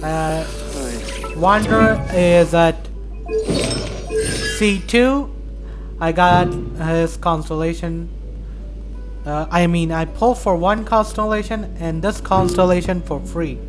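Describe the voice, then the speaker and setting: A streamer comments casually on gameplay in a mid-pitched voice. The talk is informal thinking aloud, with game music clearly playing behind it. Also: steady tone, slow pace, long pauses.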